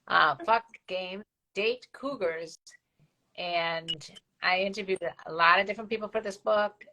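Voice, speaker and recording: Bright-voiced bawdy older woman host. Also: on the low side, rough recording. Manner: frank and bawdy, reads out viewer comments. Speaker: co-host of a live stream show. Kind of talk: casual chat.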